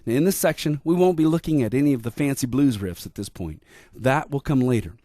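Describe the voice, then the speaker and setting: A man's voice: medium pitch, expressive, a little fast, dark tone, no echo, studio quality. A man giving upbeat, scripted voice-over narration introducing piano lesson clips. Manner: upbeat, promotional.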